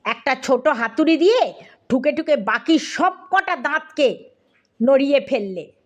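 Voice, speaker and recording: Woman storyteller, comic audiobook narration, high voice, unhurried, lively. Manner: lively, comic, addressing listener.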